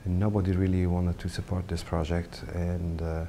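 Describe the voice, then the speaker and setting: A middle-aged man from Afghanistan, a photographer, speaking English as a second language in a halting interview to camera with many pauses and fillers. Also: low voice, flat delivery, dark tone, a little hiss or hum. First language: not English. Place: indoor studio set with brick wall.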